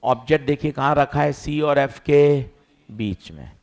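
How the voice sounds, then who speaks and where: A man teaching physics, lively, asking students questions and answering them himself. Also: medium pitch, a little slow. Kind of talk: classroom lecture.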